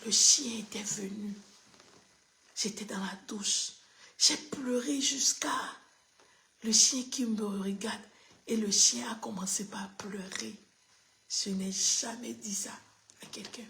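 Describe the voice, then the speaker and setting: A woman pastor preaching a personal sermon, moving from hushed confiding to excited high exclamations and repeating phrases for emphasis. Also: slow, vocal fry, pauses often. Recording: echoey room.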